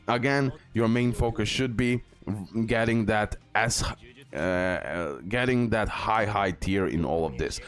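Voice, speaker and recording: Low-voiced man guiding through a game. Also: a little slow. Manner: instructional, repeats himself, frequent check-in tags. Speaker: gaming YouTuber host. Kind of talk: casual game guide commentary over gameplay. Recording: music behind the voice. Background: music under gameplay commentary.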